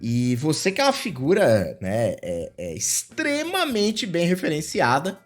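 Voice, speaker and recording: A man's voice: a little high, huge pitch swings, measured pace, soft background music. A man hosting a podcast interview, playful and hammy, who keeps repeating his catchphrase. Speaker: podcast host.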